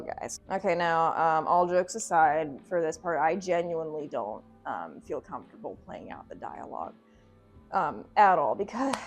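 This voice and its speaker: A woman doing casual, joking video commentary, sarcastic, irreverent and profane, with a theatrical streak. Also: fairly low pitch. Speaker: video essay host. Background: background music.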